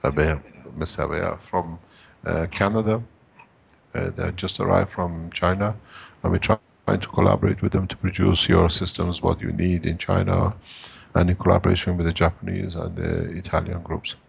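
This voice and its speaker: A man's voice: sits low, fairly even intonation, creaky, breathy edge. A man presenting at a workshop, explaining to a live audience while groping for words and restarting his sentences. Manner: halting, gropes for words and restarts.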